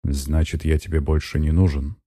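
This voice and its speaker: A man reading an audiobook, voicing an irritated, weary older uncle in a gruff way. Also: rumbling low, level tone, normal speed, dark tone, dry recording, studio quality. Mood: worried.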